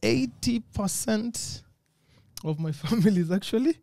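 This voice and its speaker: A man from Kenya and Uganda, a musician guest on a podcast, talking casually in a relaxed, hesitant way with frequent laughs. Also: sits high, unhurried, vocal fry, no echo, clean studio sound.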